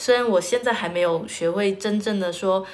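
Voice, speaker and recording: With a southern Chinese accent, a woman speaks at a moderate pace in a medium pitch with ordinary pitch variation. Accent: southern Chinese accent in Mandarin. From Chaoshan region, Guangdong, southern China. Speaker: office worker and podcaster, guest. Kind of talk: casual chat.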